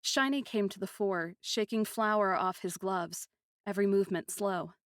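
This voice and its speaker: A woman narrates a story in the first person. Her mid-pitched voice is deliberate and poetic, often hushed and dramatic. The recording is close and very dry. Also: dry recording.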